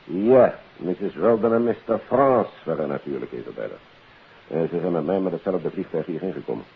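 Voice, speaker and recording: An actor playing a businesslike, deliberate police investigator in a 1950s radio detective drama. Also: male voice, sits low, animated, husky, heavily acted. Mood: confiding. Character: matter-of-fact male police investigator reporting on a case. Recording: hissy, tinny 1950s radio recording.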